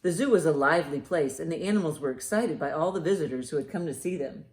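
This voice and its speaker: A woman's voice: low-pitched, fast talker, a little mellow. A woman reading aloud and posing riddles to young children as a storytime host, encouraging and big in her reactions. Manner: encouraging, exaggerated reactions to answers. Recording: roomy, echoing sound.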